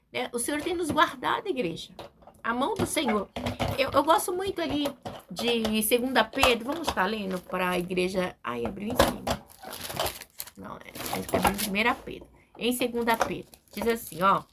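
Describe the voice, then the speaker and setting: A woman's voice: a little high, lively intonation, heavy background noise. A middle-aged woman preaching a testimony sermon to her congregation, earnest and often tagging her sentences with a questioning aside. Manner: earnest, fills pauses with frequent tag questions.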